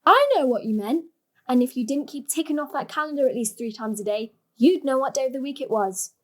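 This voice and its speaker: Young adult daughter, high-pitched, naive, plaintive, needy, easily annoyed, stage drama. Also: female voice, a little fast. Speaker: stage actor. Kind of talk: dramatic dialogue in a play.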